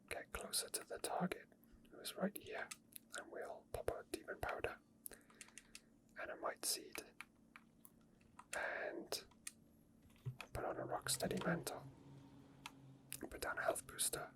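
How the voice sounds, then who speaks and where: A person whispering soft, breathy ASMR commentary over video gameplay, explaining each step as it is done. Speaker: video game streamer.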